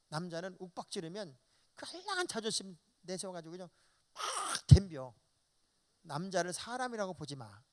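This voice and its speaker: Lively, high-voiced male pastor preaching. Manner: animated, folksy, acts out quoted dialogue. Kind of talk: revival sermon. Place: church.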